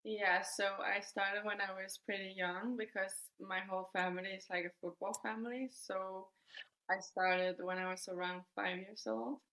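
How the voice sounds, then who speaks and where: A woman in her twenties from Denmark, telling her story as a guest in a podcast interview, relaxed and thoughtful. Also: medium pitch, moderate pace. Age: 20s. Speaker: guest footballer.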